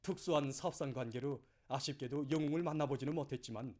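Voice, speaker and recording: A man's voice: mid-range voice, fast talker, darkish tone. A man with a North Korean accent narrating formal scripted news in a solemn, fervent, declamatory state-broadcast style. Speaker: news announcer.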